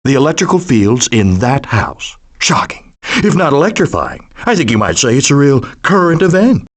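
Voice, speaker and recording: A dramatic wry cartoon animal for a game, very lively pitch. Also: male voice, moderate pace. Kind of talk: animated video game voice acting.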